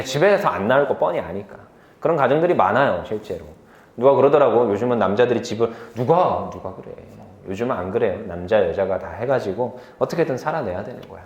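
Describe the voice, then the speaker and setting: Lively young preacher with room echo. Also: male voice, medium pitch, lo-fi sound. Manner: lively storytelling, quick to laugh; asks the listeners questions directly. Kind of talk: sermon to a youth congregation.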